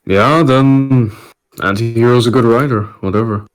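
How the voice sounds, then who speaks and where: A man's voice: medium pitch, moderate pace. A man co-hosting in a casual chat, joking in a sarcastic and crude way.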